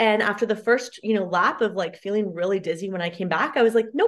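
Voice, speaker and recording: A woman speaks fairly quickly in an ordinary speaking voice, at a medium pitch with ordinary pitch variation. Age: 30s. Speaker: dietitian and nutrition coach. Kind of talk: casual interview.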